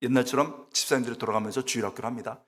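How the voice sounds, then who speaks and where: A middle-aged man preaching a sermon, telling funny stories in an animated, exclamatory way and acting out the people in them. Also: medium pitch, very fast. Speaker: guest preacher, preaching professor. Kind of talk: sermon with humorous storytelling. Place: church sanctuary. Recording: long church reverb.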